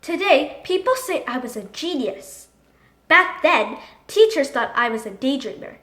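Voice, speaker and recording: Lady reading a kids book out loud, super animated and bright, bit of a roomy echo. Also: high-pitched, a little slow, faint music behind. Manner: expressive, dramatic. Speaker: children's book read-aloud host. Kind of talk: animated storybook narration. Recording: echoey room.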